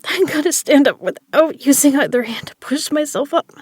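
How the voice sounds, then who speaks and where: A woman's voice: high voice, lively intonation, normal speed, a little mellow, dry recording, clean studio sound. A woman acting a battered but tough poker player in an audio drama, her delivery strained and gasping. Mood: pained, struggling.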